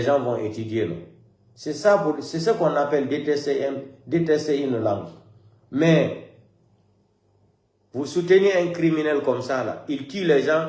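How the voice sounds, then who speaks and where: A man's fairly high voice at a fairly slow pace, with long, frequent pauses, ordinary pitch variation, big swings in loudness, a non-native accent and audible room echo. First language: not French (speaking French). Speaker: political commentator. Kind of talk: political commentary. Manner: animated.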